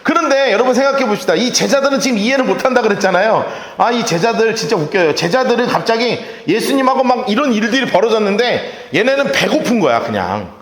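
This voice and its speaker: A man preaching a sermon in a reverberant church hall, his voice sitting high and swinging widely as he plays out little scenes. He jokes with the congregation between points. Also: fast, few pauses. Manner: animated, acts out quoted speech; humorous asides to the congregation. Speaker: pastor. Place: church sanctuary.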